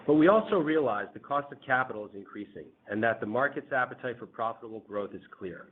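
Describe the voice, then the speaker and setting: A man delivers a prepared earnings presentation in a formal, measured manner. His voice sits at an average pitch. It comes through a narrow conference phone line with a little background noise. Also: expressive. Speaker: company executive. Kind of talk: scripted corporate earnings presentation.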